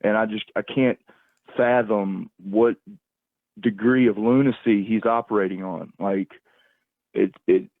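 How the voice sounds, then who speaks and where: A man calling in to a livestream over a phone, rambling casually in a halting, repetitive way as he searches for words. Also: lowish voice, fairly even intonation, dry recording. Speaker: call-in caller on a livestream. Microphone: phone call. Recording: tinny, narrow phone-call line, dry.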